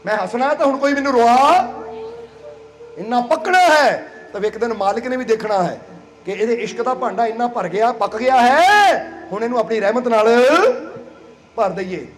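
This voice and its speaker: A man's voice: extremely high pitch, lively intonation, normal speed. A man from Punjab, India, gives a sermon to his congregation as its spiritual leader. He is playful and coaxing, and he repeats phrases and keeps asking the crowd whether they understand. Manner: coaxing and playful, laughs between lines.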